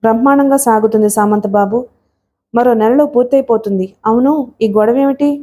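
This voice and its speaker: Woman reading storybook cop: corrupt man, bossy, fawning, high mellow tone. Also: fairly quick, lightly acted. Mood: servile. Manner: barking, then servile. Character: bullying corrupt male police inspector, fawning to the rich.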